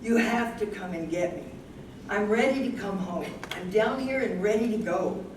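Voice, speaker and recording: A woman's voice: medium pitch, moderate pace, darkish tone, close to an everyday voice. A woman in a staged reading, playing a devoted, plaintive elderly wife who has Alzheimer's, with earnest delivery. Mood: pleading. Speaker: stage reader. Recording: echoey room, far from mic, background noise.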